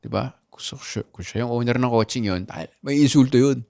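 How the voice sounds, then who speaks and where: Animated storytelling man, dry sound. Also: mid-range voice, brisk, creaky, dry recording. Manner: animated storytelling with frequent "di ba" asides. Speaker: podcast host. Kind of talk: casual comedic chat.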